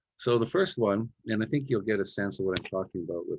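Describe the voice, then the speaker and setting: A man with a Saskatchewan accent speaks with ordinary pitch variation. The sound is dry and close, with no echo. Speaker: playwright and author. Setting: online book launch. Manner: casual, conversational.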